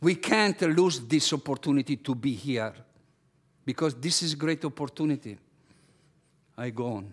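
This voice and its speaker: A man speaks with an Italian accent at a moderate pace, his voice fairly high and his intonation lively. He leaves long, frequent pauses. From Italy. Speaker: basketball coach mentor. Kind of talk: webinar presentation. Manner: halting, many fillers and restarts.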